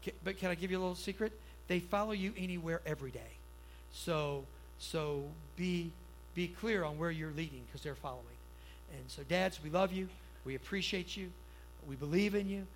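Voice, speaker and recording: A man's voice: high-pitched, moderate pace, a little hiss or hum, low-quality recording. A middle-aged man, a pastor, preaching to a church congregation in a folksy, storytelling way, often checking in with the crowd, then leading a prayer. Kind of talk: conversational sermon and prayer.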